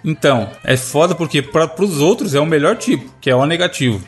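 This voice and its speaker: A man's voice: a little high, lively intonation, a little fast, faint music behind. A man hosting a casual podcast chat, joking and telling a story. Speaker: podcast host.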